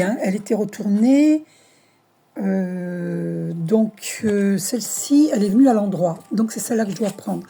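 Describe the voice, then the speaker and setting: A woman with a mellow, slightly rough voice of medium pitch gives a casual spiritual monologue on her own channel while reading oracle cards to camera. She wanders in her talk, hunting for words and filling gaps with plenty of fillers.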